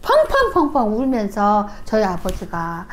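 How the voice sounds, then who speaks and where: A woman shaman telling her story in an interview, animated and acting out the voices she quotes. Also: medium pitch, unhurried.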